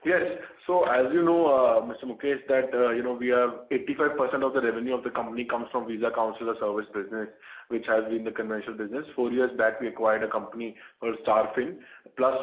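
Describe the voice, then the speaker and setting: A man's voice: medium pitch, steady tone, fast talker. A man with an Indian accent answering as a company executive on an earnings call in a businesslike way. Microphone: conference call phone. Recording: echoey narrowband phone line.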